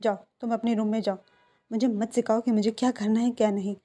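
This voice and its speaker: A woman voicing a stern middle-aged father who gives quiet, firm orders while reading a fan fiction story. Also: a little high, level tone, brisk, a little hiss or hum, natural voice.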